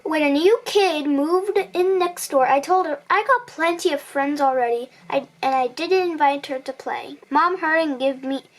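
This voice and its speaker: A woman's voice: high voice, moderate pace, hardly any pauses. A young girl reading a picture book aloud, acting out the quoted lines and sometimes stumbling over words. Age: child. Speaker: reader on a family video channel.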